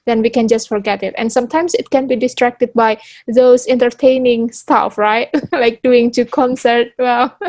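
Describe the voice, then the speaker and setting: A woman's voice: on the high side, a little mellow, dry recording. A young Indonesian woman with an Indonesian accent, speaking English as a second language and hosting a casual interview with rambling, chatty questions. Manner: chatty, rambling, full of "you know". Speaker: host, interviewer.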